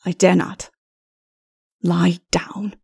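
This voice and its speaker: A woman voicing a grave, stern king in a storybook, speaking in a measured, firm and solemn way. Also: on the low side, level tone, creaky, darkish tone, slightly rough, heavily acted. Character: grave, stern male king on a perilous journey.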